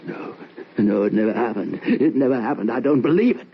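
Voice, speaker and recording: An actor playing a guilt-ridden, tormented husband confessing to murder in an old-time radio horror drama, halting and repeating his words. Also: mid-range voice, expressive, creaky. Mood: desperate denial. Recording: noisy, dull old radio recording.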